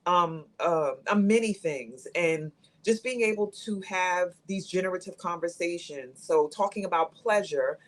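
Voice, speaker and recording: A woman's voice: on the low side, unhurried, few pauses. A woman in her fifties speaking candidly as a guest on a live talk show, reflective and thoughtful. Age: 50s.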